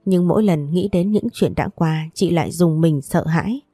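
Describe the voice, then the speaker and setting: A woman reading a story aloud in a steady, even narration. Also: on the low side, moderate pace, slightly rough, no room sound, clean studio sound.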